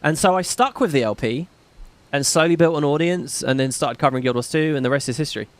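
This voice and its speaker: A man hosting a casual gaming stream with a slight British lilt, rambling and self-deprecating, dropping curses between viewer comments. His voice sits a little high for a man. It is recorded close and dry, with no room sound. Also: fast talker, dry recording. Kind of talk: casual livestream chat reading donations.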